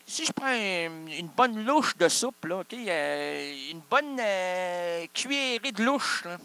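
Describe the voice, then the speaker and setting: A man's voice: high-pitched, sing-song, slow, bright, forceful tone. A man with a Québécois accent improvising an absurd comic monologue, rambling through wordplay and asking and answering his own questions. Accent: Québécois French. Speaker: comic performer.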